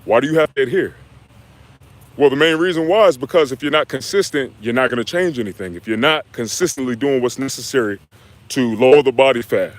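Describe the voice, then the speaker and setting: A young man from the United States, a fitness coach answering viewers' questions on a live stream in a relaxed, slangy way. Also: mid-range voice, fairly quick. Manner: laid-back, slangy, talks straight to viewers with "y'all" and "man". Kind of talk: live stream Q&A, reading chat comments.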